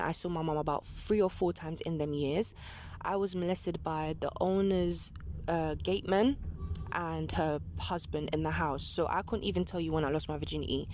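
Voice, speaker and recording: A woman's voice: on the low side, darkish tone. A woman, a taxi rider telling her life story in a plain, matter-of-fact way, with restarts along the way. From London. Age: 20s. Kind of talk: personal life story told in conversation. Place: back of a taxi. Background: child's noise and ambience.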